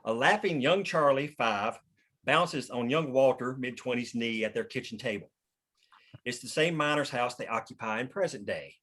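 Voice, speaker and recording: A man's voice: medium pitch, moderate pace, fairly bright tone. A man narrating stage directions at a script table read.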